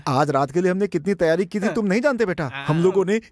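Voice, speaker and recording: A jittery companion who needles his friend about his detective airs. His voice is high for a man and sharp with mockery. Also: animated, fast talker. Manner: teasing, mocking. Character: mocking, nervous older companion fearing ghosts. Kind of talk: slapstick film comedy.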